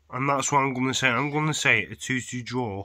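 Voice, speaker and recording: The background is quiet. A man speaks with fairly even intonation. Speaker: football fan vlogger. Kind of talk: casual vlog chat. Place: home room. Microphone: phone near.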